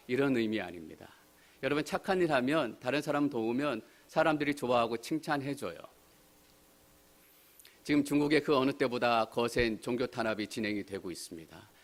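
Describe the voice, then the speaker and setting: A man preaching a Sunday sermon as a pastor, earnest and building to emphatic appeals. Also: medium pitch. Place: church sanctuary.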